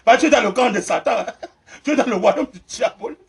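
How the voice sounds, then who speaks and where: Male preacher, gravelly and husky, laughs and shouts amens through a mocking sermon. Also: extremely high pitch, lively intonation, fast talker.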